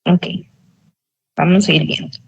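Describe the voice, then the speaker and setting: Slow, patient teacher woman. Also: fairly low pitch, steady tone, creaky, breathy edge, muffled recording. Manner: slow, patient explaining with frequent check-ins. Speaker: English teacher. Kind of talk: online grammar tutoring in Spanish.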